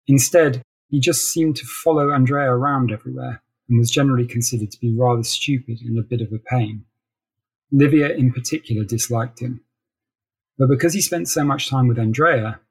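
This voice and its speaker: Guy reading a short story like an audiobook, middle pitch, bit husky. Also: poor audio. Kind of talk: literary audiobook-style narration.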